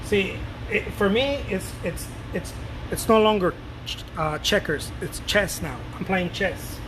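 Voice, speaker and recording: A man in his late thirties with a fairly high voice talks to camera in a loose, animated way, doubling back on his words and dropping the odd curse. A steady air-conditioning hum sits clearly under his speech. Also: measured pace. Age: 30s. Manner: loose and animated, repeats words, swears casually. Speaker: painter talking to his viewers. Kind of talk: casual rambling talk to camera.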